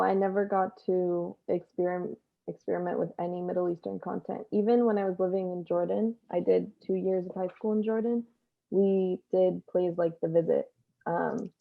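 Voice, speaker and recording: Creaky young woman on a tinny line. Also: lowish voice. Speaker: actor, panel guest. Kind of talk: casual reflective interview chat. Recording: tinny, phone-like call audio.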